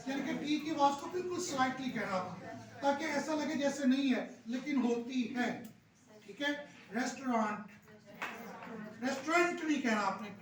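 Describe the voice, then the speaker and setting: A woman lecturing a workshop on pronunciation, repeating words slowly and often checking that her listeners follow. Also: sits high. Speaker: pronunciation trainer. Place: classroom or workshop hall. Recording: echoey room from far off, audience noise. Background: audience of teachers.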